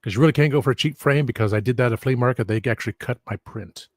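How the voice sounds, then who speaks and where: A man's voice: medium pitch, very fast, no echo. Rambling man on a livestream, dry sound. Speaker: streamer, host. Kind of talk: rambling casual livestream chat.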